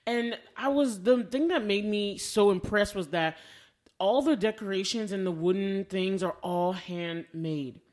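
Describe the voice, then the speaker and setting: A woman's voice: mid-range voice, a little slow, darkish tone. An American woman co-hosting a podcast, telling stories casually in a chatty, enthusiastic and emphatic way. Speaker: podcast co-host. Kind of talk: casual chat, storytelling.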